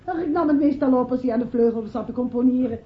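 An actress playing a genteel, effusive hostess devoted to an absent composer, in a Dutch radio play. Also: female voice, high-pitched, fast, lightly acted. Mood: fond, effusive. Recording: muffled, roomy old radio play with crowd.

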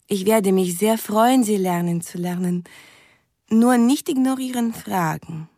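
A woman's voice: mid-range voice, unhurried, dark tone, dry recording, clean studio sound. An actress playing a cheerful young Russian woman reading her romantic letters aloud in stilted, ungrammatical sentences in a radio drama. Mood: eager, earnest.

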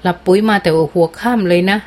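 A woman's voice: lowish voice, steady tone, a little fast, darkish tone, natural voice. Cheeky old tracker, drawling rural twang, teasing and easygoing, read by a woman. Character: old male jungle tracker, rustic, cheeky joker.

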